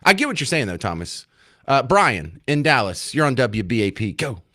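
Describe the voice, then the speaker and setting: A man hosting a call-in talk radio show, wry and animated as he takes callers. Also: medium pitch, moderate pace. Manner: wry, animated, takes calls and argues points.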